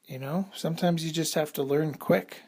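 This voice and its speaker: A man improvising a bedtime story for children, in an unhurried, halting way with a slightly husky, breathy voice. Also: on the high side, fairly even intonation, darkish tone.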